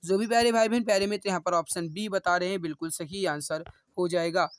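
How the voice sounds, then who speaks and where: A man's voice: sits high, fairly even intonation, fast talker, no room sound. A man teaching an online exam-prep class, who calls his students dear brothers and sisters and keeps repeating each answer. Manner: rousing motivational appeals.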